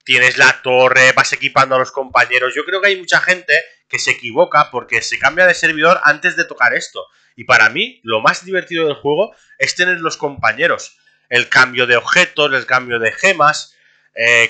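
A young man, streaming a game and talking to his chat in a casual, excitable way, laughing often. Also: mid-range voice. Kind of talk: casual gameplay commentary.

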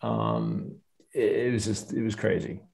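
Gravelly low-voiced man telling a story. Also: unhurried. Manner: animated, gesturing, rambling with restarts. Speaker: interview guest, former football player. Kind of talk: storytelling interview over video call. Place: home office with wood cabinet. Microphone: earbud headset on video call.

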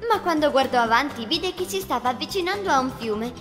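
Lively high-voiced woman narrator. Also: a little fast, over music. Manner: expressive, child-friendly telling. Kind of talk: scripted storybook narration.

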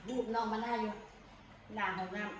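A woman with an Isan accent from northeastern Thailand chats casually and quickly while eating, her speech mixed with chewing. She sounds set back from the microphone in a very reverberant room, with clear background noise. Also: medium pitch, steady tone. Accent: Isan, northeastern Thai. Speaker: vlogger in a couple's eating video. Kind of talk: casual mealtime chat. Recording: roomy, distant mic, clear background noise.

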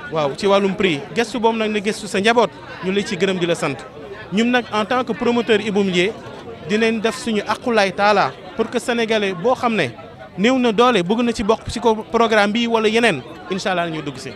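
Man, Senegalese accent, high voice, earnest and repetitive sales pitch, outdoor tent, crowd chatter behind. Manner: earnest, repetitive promotional speech mixing Wolof and French. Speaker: real estate promoter. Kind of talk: press statement to journalists. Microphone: several press microphones held close. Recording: noisy crowd around interview.

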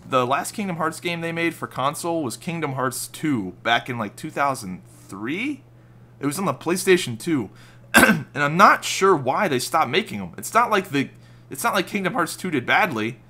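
A young man with a slightly raspy, just-woken-up voice, rambling casually and swearing freely as he talks over gameplay footage. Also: medium pitch, sharp tone. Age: young adult. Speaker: gaming YouTuber.

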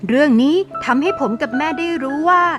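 A woman's voice: high-pitched, quick pace, soft background music, close to an everyday voice. A woman voicing a kind, earnest young son of a poor mother in a cartoon story. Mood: reflective. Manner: polite, earnest.

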